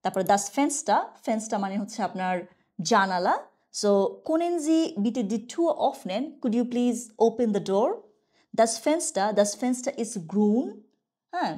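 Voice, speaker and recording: A woman's voice: fairly high pitch, expressive, dark tone. Chatty woman teaching German. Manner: chatty, asks "okay?" often, slow careful example sentences. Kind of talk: casual online language lesson.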